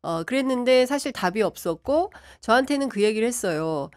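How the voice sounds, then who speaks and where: A female journalist on a political talk show, talking in a brisk, conversational, storytelling way. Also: fairly high pitch, animated, dry recording, studio quality. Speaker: journalist and panelist.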